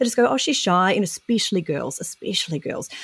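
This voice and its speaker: Speaking very fast, a woman with a New Zealand accent has a medium pitch and lively intonation. The sound is dry and close, with no echo. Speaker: author and public speaker. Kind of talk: interview. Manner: fast talker.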